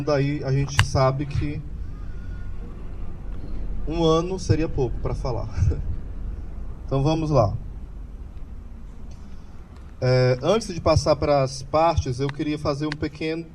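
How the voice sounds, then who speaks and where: A man's voice: on the high side, darkish tone, a little hiss or hum. Brazilian man teaching about the Mass. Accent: Brazilian Portuguese. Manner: asks the audience questions and answers them. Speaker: Catholic lay preacher. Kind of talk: catechetical talk.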